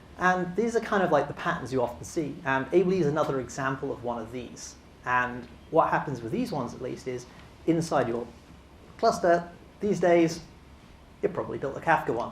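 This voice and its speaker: Delivered at a fairly quick pace in a British accent, the speech is broken by long, frequent pauses. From UK. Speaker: software engineer and conference speaker. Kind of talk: technical conference talk. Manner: casual, conversational with filler words.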